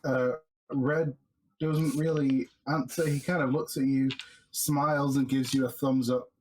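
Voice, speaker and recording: A man playing a tabletop game, describing what his character does in a halting, unhurried way. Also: medium pitch, level tone, a little hiss or hum, poor audio. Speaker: player voicing Red.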